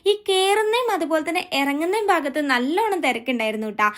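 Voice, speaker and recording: A woman vlogger with a Kerala accent speaks in a high-pitched voice at a rapid pace. She narrates in a chatty way, sprinkling English words through her Malayalam. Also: very animated, a bit bright. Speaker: family vlog host.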